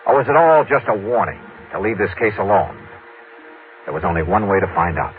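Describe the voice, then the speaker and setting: A man's voice: on the low side, lively intonation, brisk, natural voice. An actor playing a hard-boiled male insurance investigator who narrates in a clipped, streetwise, wisecracking way. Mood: narrating. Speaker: narrator and lead. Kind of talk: 1950s radio drama acting. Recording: lo-fi old radio broadcast with music.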